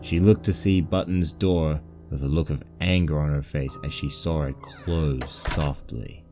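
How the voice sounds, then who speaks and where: A man's voice: rumbling low, fairly even intonation, a little slow. A man reading a fan fiction story aloud as scripted narration. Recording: poor-quality mic with music bed.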